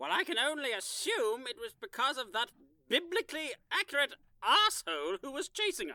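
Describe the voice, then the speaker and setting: Doing a put-on character voice, a man talks at a moderate pace with an extremely high pitch that swings very widely. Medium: audio drama. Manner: genteel, old-fashioned politeness.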